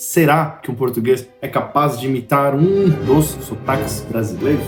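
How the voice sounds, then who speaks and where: Over music in the background, a man speaks with lively intonation at a fairly high pitch. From Brazil. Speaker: YouTuber, Brazilian immigrant in Portugal. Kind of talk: casual talk to camera.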